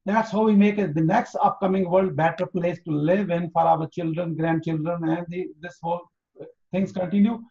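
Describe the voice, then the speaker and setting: Earnest Pakistan-born man, high voice. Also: fairly even intonation, vocal fry, mellow. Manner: earnest, emphatic, spells out points slowly. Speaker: interview host. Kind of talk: motivational interview. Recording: dull lo-fi audio.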